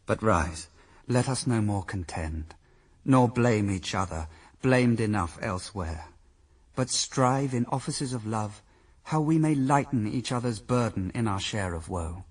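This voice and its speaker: Adam, grave, anguished husband, slightly distant. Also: male voice, lowish voice, lively intonation, a little slow. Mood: tender sorrow. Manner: grave, formal, declamatory. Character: Adam, the first man, anguished yet reasoning husband. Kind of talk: classical radio drama verse acting.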